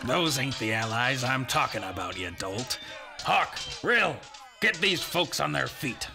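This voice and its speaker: Gravelly, blustering old river adventurer. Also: male voice, medium pitch, very animated, measured pace. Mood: defiant. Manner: blustering, archaic, folksy heroic speech. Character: old, boastful, honour-bound male river errant and adventurer. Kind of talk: audio drama acting and first-person storytelling. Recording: dramatic music behind the voice.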